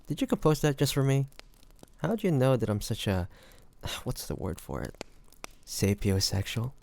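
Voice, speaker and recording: A man playing a flirty, teasing bodyguard to a noble in an intimate fantasy audio roleplay, with playful, halting delivery. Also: mid-range voice, sing-song, vocal fry, a little mellow, no room sound. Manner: playful, teasing, halting pauses, often chuckling.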